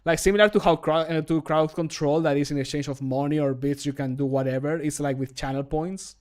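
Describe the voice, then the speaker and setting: A man in his thirties with a slightly high voice talks casually to a livestream from a room at home. He is chatty and jokey, easily amused by himself, and keeps things animated. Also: fairly quick, clean tone. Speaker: streamer and hobby game modder recording voice lines. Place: small home room, indoors.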